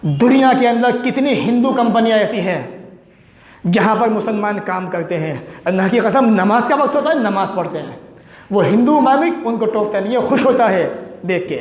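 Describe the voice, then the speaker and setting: High-voiced preacher in an echoey hall. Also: male voice, expressive, normal speed. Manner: urgent, rhetorical, chanting lists of sins. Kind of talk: fiery sermon.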